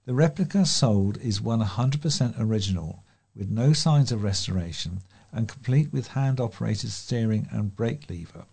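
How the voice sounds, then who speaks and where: A man's voice: fairly low pitch, animated, moderate pace, gravelly, darkish tone, slightly rough. A man with a British accent reading scripted local news items as a volunteer newsreader. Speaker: volunteer newsreader for a talking newspaper.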